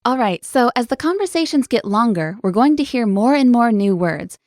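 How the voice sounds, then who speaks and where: A woman with a slightly high voice hosts a language lesson, explaining each word in a clear, upbeat way. The sound is close and dry, with no room around it. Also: lively intonation, moderate pace, darkish tone, no room sound. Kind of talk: scripted lesson dialogue.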